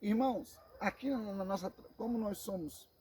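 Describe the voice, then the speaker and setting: A Brazilian man with a Brazilian Portuguese accent teaching a Bible sermon, slow and emphatic, repeating phrases and calling listeners brothers. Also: high voice, darkish tone, slight background noise. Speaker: preacher.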